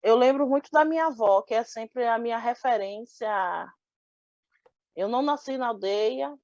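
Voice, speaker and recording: A young woman from Salvador, Bahia, Brazil, gives an oral history interview, speaking thoughtfully at a moderate pace with many restarts and the filler "né." Her voice is on the high side with a darkish tone, recorded with no echo but dull audio.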